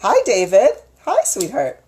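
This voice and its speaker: A woman's voice: on the high side, wildly swooping pitch, unhurried, a little mellow. Chatty, gushing woman livestreamer. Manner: gushing, informal, uses endearments like sweetie. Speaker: livestream host, storyteller and psychic healer. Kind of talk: casual livestream chat with viewers.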